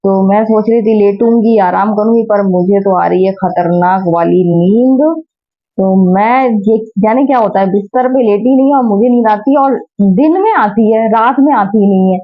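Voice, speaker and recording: A woman's voice: mid-range voice, moderate pace. A woman in her thirties chatting casually to viewers in a home vlog, sounding sleepy and tired as she talks about her children, recorded on a phone camera in her bedroom. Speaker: family vlogger. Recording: dull lo-fi phone audio.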